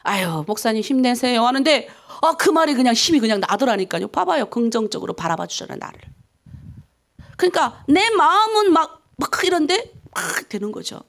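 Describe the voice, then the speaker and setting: A middle-aged woman pastor from North Korea with a North Korean accent, preaching a dawn prayer sermon, animated, swinging between loud and hushed. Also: sits high, brisk, gravelly.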